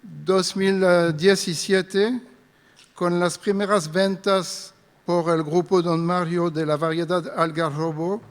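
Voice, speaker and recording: A man's voice: sits high, steady tone, slow. A middle-aged man with a French accent, speaking Spanish as a second language and giving a careful, hesitant conference talk. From France. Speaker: invited speaker, wheat breeder. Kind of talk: conference presentation. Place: conference hall. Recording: long reverb of a large hall.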